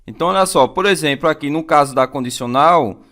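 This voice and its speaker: A man's voice: on the high side, fairly quick, a bit bright. A man with a Brazilian accent teaching an exam-prep lesson in a didactic way, repeating key phrases and checking in with listeners.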